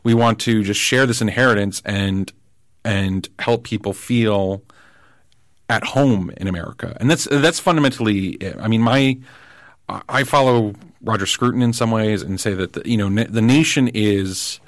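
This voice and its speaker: Low-voiced man, halting and thoughtful. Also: no echo, clean studio sound. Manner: thoughtful, halting, many restarts. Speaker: podcast guest. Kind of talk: casual political conversation.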